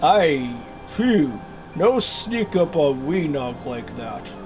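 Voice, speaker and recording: A man's put-on character voice, fairly high and very slow, with clear music in the background. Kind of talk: broken, rough speech. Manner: startled, gruff.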